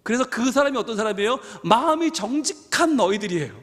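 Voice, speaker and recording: Fervent high-voiced male pastor preaching. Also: animated, fast. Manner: fervent, emphatic preaching with repeated phrases. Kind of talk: sermon. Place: church sanctuary at a live midweek prayer service. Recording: live church hall reverb with soft music.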